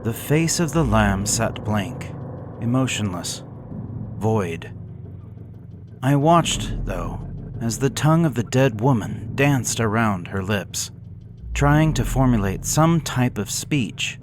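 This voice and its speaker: A man slowly reading a gothic horror story aloud in a measured, somber way. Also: medium pitch, animated. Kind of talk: scripted horror narration. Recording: hissy background noise.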